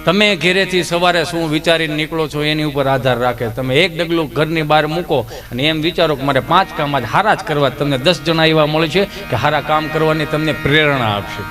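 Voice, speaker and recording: A man's voice: on the high side, brisk, hardly any pauses, over music. A man, a stand-up comedian telling rambling comic stories. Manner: lively, rambling joke-telling. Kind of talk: folk comedy storytelling.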